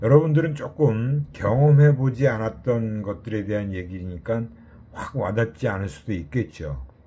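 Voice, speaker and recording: This man has a medium pitch and a dark, mellow tone that is somewhat breathy. His intonation is lively and his pace fairly slow. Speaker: professor. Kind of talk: lecture.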